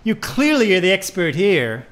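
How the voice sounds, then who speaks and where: Male actor as hostile, sarcastic bandleader, radio-play style, very animated intonation. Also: high voice, moderate pace. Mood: sneering, angry. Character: bitter, sarcastic jazz bandleader named Buddy. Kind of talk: live old-time radio play acting.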